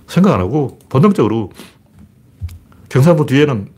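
A man talking through politics and history in a casual, blunt, emphatic monologue with a husky voice. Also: medium pitch, measured pace. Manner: animated, blunt and emphatic, with frequent laughs and repeated phrases. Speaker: political commentator.

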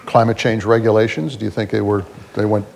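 A man's voice: fairly low pitch, level tone, brisk, vocal fry, a little mellow, slight background noise. A man working as a journalist, putting questions to a guest in a live onstage interview. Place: onstage at a festival.

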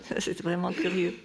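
A woman talking animatedly in a conversation, laughing softly and sometimes whispering, distant from the microphone. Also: fairly low pitch, creaky, background noise.

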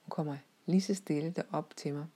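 A woman softly telling of a guided visualization journey, often sinking to a whisper and pausing to find her words. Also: deep voice, fairly even intonation, slightly rough. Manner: gentle, unhurried storytelling with hesitations.

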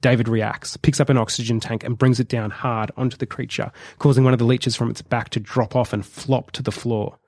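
A male podcast host narrating a comedic film pitch in a vivid, measured storytelling way. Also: flat delivery, a little mellow, dry recording. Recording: dry close sound.

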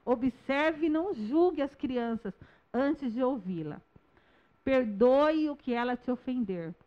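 Woman teacher addressing parents, soft patient delivery, slightly high voice, muffled recording. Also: lively intonation, a little slow. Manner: gentle explaining tone, acts out dialogues with children. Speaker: early childhood teacher. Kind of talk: talk to parents on nonviolent communication. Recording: dull lo-fi sound.

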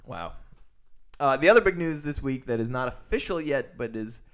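A man in his thirties co-hosts a chatty podcast, recapping film news and sliding into friendly squabbles. His voice sits at an average pitch but moves lively up and down. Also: normal speed. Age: 30s. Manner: newsy, gets into playful bickering. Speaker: podcast co-host. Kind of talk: casual banter.

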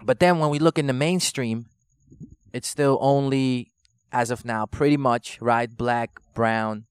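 A man's voice: medium pitch, measured pace, clear, resonant tone, dry recording, studio quality. A man who grew up in the Netherlands, a rapper guest talking casually in street slang, peppered with swearing and "you know what I'm saying". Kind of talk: casual interview chat.

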